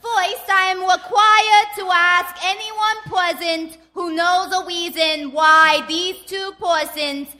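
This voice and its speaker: A woman's voice: very high voice, fairly even intonation, takes it slowly, hardly any pauses, bright, forceful tone, faint music behind, heavily acted. A woman playing a solemn bishop in a comic radio play, intoning formally and ceremoniously.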